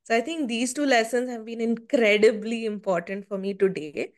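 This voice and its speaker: Twentysomething woman telling lively stories. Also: fairly high pitch, moderate pace. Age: 20s. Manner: animated storytelling, acts out quotes. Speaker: podcast guest. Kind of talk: casual interview chat.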